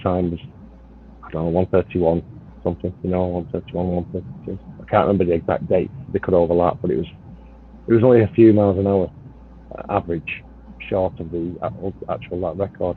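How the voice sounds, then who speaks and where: A man with a very deep, low pitch and a British accent, very fast pace, fairly even intonation, and long, frequent pauses. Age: 40s. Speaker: race marshal. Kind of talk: interview.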